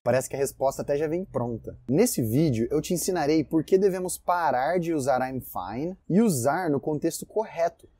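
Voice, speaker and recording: A man with a Brazilian Portuguese accent teaches English in a casual video lesson, talking straight to his viewers. His voice is warm and mellow, recorded dry and close. He acts out short example dialogues in a lively way. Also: a little high, moderate pace, few pauses, slightly rough, no echo.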